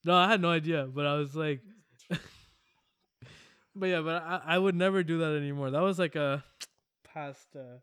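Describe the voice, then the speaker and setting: A man's voice: a little high, normal speed, pauses often, fairly bright tone, clear, resonant tone, no echo, clean studio sound. A man co-hosting a podcast, telling stories in casual chat, laughing often and swearing as he rambles. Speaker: podcast co-host.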